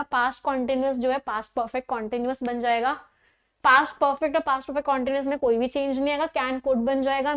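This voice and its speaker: High-voiced woman teaching grammar. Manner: explains step by step, repeats key points, asks the class questions. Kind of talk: classroom grammar lesson.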